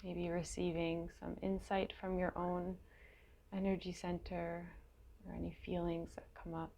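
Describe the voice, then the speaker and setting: A woman leading a guided meditation in a gentle, unhurried way, leaving long pauses between short phrases, with a creaky voice. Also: on the low side, flat delivery, a little hiss or hum. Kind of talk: guided meditation, slow and soothing.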